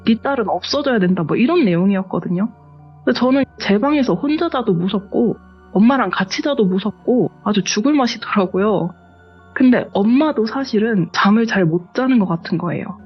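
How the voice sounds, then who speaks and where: A woman's voice: mid-range voice, animated, normal speed, breathy edge, dull audio, faint music behind. A woman, the guest on a horror radio show, recounts a true ghost story in a conversational, matter-of-fact way.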